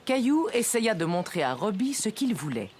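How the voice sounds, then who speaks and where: A woman's voice: mid-range voice, moderate pace, heavy background noise, natural voice. A woman playing the kindly narrator of a children's cartoon, telling the story expressively in scripted French. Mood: storytelling. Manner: expressive, clearly told storytelling.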